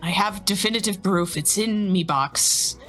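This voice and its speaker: A woman's voice: mid-range voice, unhurried, a bit bright, faint music behind, close to an everyday voice, poor audio. Woman playing a boastful, rat-eating pirate braggart. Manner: brags, stumbles over words. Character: boastful dim-witted pirate navigator who eats rats. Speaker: player.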